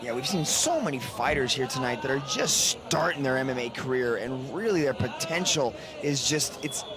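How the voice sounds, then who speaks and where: A man's voice: mid-range voice, lively intonation, moderate pace, music in the background. A man giving technical, explanatory live commentary on a mixed martial arts fight as the analyst. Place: ringside at a fight arena. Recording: loud arena crowd behind voice. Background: loud crowd.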